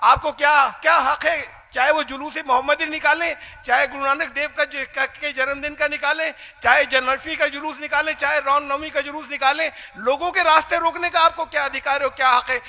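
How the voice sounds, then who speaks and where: A man's voice: very high-pitched, fairly even intonation, brisk, hardly any pauses, pushed and bright. A man giving a public religious lecture, insistent and argumentative, hammering rhetorical questions. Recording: lecture hall with long reverb.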